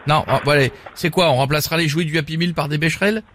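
A man's voice: a little high, fairly even intonation, fast, a bit bright. A man hosting a radio show who plays a mock-outraged caller in a prank call, teasing the person on the line.

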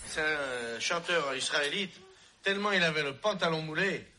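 A man's voice: on the high side, moderate pace. A man telling a joke in a rambling way, with many fillers and restarts. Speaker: joke teller. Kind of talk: telling jokes aloud.

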